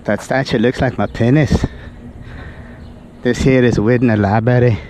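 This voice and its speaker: A man's voice: medium pitch, steady tone, unhurried, a little mellow. A young man, a student, talking to himself in a put-on Irish accent while walking outdoors, muttering and self-mocking. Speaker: student vlogger. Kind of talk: casual walking vlog commentary. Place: outdoors on city streets and a campus. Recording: street traffic noise outdoors.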